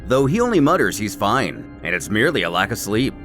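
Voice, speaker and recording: A man narrates a scripted story recap with a wry, dramatic flair. His voice is bright and forceful, and his pitch moves around a lot. Music plays underneath him. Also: big pitch swings, a little fast. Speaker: narrator of a comic recap series. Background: background music.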